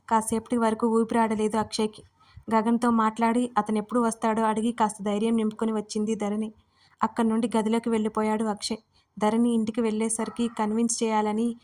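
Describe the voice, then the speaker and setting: Woman storyteller reading a love story, highish voice, pretty flat, steady pace. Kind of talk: scripted story narration.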